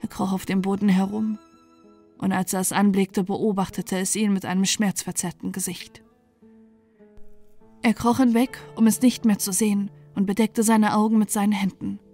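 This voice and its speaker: A woman calmly reading a dark fairy tale aloud as a bedtime story, in a gentle, even manner. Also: mid-range voice, normal speed. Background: soft background music.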